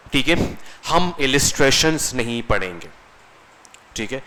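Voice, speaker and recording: A man delivers a classroom lecture in an easy, conversational way. He keeps asking his students questions and answering them himself, checking in with them as he goes. His voice sits at an ordinary middle pitch. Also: a bit bright, a little hiss or hum, poor audio. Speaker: computer course instructor.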